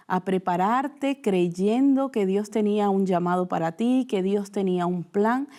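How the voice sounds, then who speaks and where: Venezuelan woman hosting a Christian talk show. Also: mid-range voice. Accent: Venezuelan Spanish. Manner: warm conversational questioning, frequent "mira". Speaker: host. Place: TV studio.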